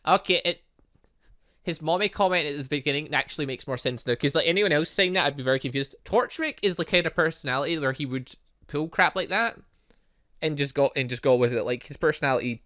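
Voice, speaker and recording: A man commentating on a game as its host, excitable and rambling, thinking aloud with frequent asides and exclamations. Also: on the high side, brisk, no echo, clean studio sound. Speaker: gaming channel host. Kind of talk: let's-play commentary, reading game dialogue aloud.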